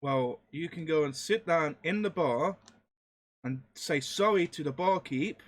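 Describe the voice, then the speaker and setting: A man's voice: on the high side, unhurried. A man playing a tabletop game as a player, talking casually with some stammering. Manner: hesitant, stammering.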